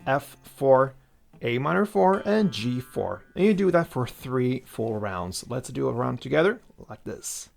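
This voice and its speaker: A man with a creaky, sing-song, medium-pitched voice teaches guitar in an unhurried, casual way. He breaks things into steps and counts the strumming strokes aloud over acoustic guitar in the background.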